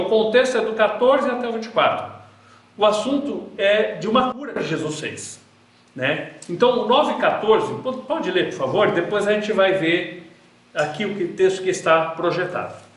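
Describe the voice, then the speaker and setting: A man's voice: high voice, animated, moderate pace. A man teaching a Bible class to a group, preaching earnestly in a room with a projector, repeating phrases for emphasis. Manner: earnest, repetitive preaching cadence. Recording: roomy echo in a hall.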